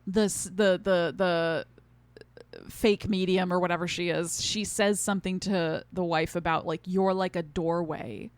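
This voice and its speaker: A woman's voice: lowish voice, steady tone, a little slow, clear, resonant tone, no echo. A woman co-hosting a podcast in casual conversation, retelling things in detail and acting out quotes as she goes. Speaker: podcast co-host.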